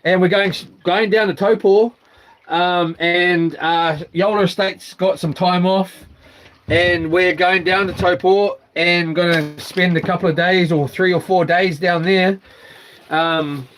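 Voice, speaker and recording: A man's voice: sits high, steady tone, unhurried, fairly bright tone. A man with a broad New Zealand accent chatting casually and slangily, half to himself, as he vlogs. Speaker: live streamer. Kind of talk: casual vlog chat, talking while tidying.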